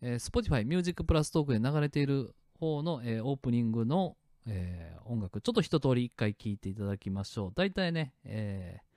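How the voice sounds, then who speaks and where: A man hosting his own show, chatting in a relaxed way about the sound effects he made. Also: medium pitch, brisk, few pauses, no echo, clean studio sound. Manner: relaxed and chatty, many fillers, starts and stops clips. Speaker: podcast host. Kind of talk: casual solo talk explaining his sound effects. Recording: faint music clips playing behind.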